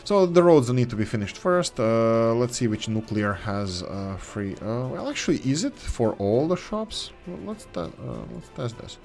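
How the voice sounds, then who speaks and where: A man's voice: mid-range voice, big pitch swings, normal speed, vocal fry, hardly any pauses, darkish tone, soft background music. A man hosting a gaming video, talking casually and thinking aloud as he builds, with rambling asides and corrections. English is not his first language. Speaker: gaming channel host. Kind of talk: casual let's-play commentary.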